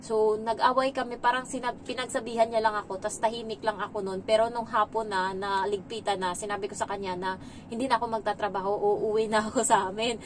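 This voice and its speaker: A woman's voice: medium pitch, little pitch movement, quick pace, a little hiss or hum, rough recording. A woman from the Philippines working as a domestic helper, chatting casually in a vlog, mixing in English and laughing between stories.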